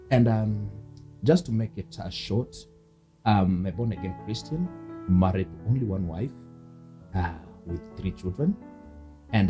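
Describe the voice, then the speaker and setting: A Kenyan man speaking as an interview guest, an earnest, devout Christian minister giving personal testimony in conversation. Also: fairly low pitch.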